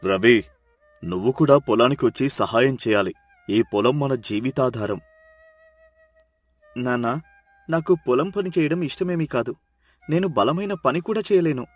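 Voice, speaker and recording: A man's voice: medium pitch, lively intonation, moderate pace, pauses often, soft background music, lightly acted. A man playing a farmer and his son in a moral story, talking plainly and earnestly. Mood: reluctant. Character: worried farmer father and his lazy, reluctant son. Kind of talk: acted dialogue in a moral story.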